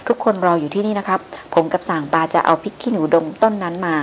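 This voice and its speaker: Woman doing a gruff old-hand hunter man, terse and low, storybook read. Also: fast talker, a little hiss or hum, close to an everyday voice, low-quality recording. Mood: urgent. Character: gruff veteran male big-game hunter.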